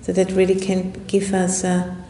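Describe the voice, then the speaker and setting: A Buddhist nun who teaches meditation gives a guided meditation talk in an indoor room at a retreat center, speaking unhurriedly and reflectively with long pauses. Her voice is warm but monotone. The room echoes, and a faint rumbling noise runs in the background.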